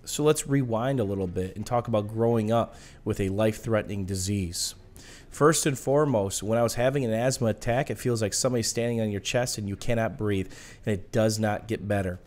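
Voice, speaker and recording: A short-winded man with a smoker's rasp and audible breathing, casually telling personal stories over video game commentary. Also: fairly low pitch, a little fast, darkish tone. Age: adult. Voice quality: raspy smoker's-cough sound. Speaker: gaming video host.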